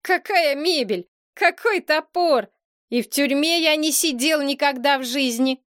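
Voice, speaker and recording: A woman's voice: high voice, measured pace, a bit bright, no echo, studio quality, voice pushed up. A woman reading an audiobook, voicing a hot-headed boy prince who grumbles and defends himself. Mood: exasperated. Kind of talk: audiobook character voice.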